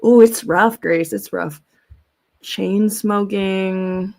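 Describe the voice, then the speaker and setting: A woman with a medium-pitched voice talks casually as the host of a livestream. She rambles and thinks aloud, reacting as she goes. Her language is blunt and informal, with plenty of swearing. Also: steady tone, extremely slow, creaky, darkish tone. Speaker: live streamer, host. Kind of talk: casual livestream chat, commentary, reading viewer comments aloud.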